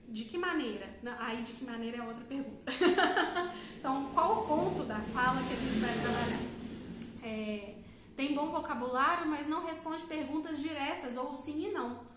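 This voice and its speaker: A Brazilian woman, a psychologist, giving a live-stream talk and explaining step by step, often checking in with her listeners with a quick "tá?". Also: sits high, a bit bright, very echoey. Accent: Brazilian Portuguese. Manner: explanatory, frequent "tá?" check-ins, asks questions and answers them herself.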